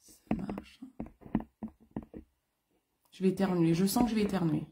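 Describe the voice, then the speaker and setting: A woman's voice: on the low side, a little slow, background noise. A French woman hosting a casual live stream as a beauty consultant, chatty and greeting viewers by name, with a throat congested from a coming cold. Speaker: beauty consultant selling online.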